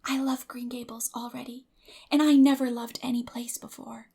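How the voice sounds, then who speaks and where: A woman's voice: on the high side, flat delivery, normal speed, creaky, mellow, slightly rough. A woman voicing a dreamy, earnest, talkative young orphan girl in a gushing, dramatic audiobook reading. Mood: tender, happy.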